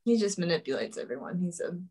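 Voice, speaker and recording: A woman's voice: lowish voice, big pitch swings, fast, dark tone, husky. A woman from a table read cast chatting candidly, laughing and swearing freely.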